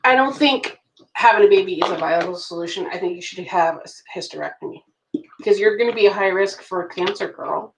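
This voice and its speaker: Gravelly late-30s woman vlogger chatting. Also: medium pitch, a little fast, roomy sound, slight background noise, poor audio. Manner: chatty, reacts to viewer comments. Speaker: planner vlogger. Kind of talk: rambling live chat while journaling. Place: at home.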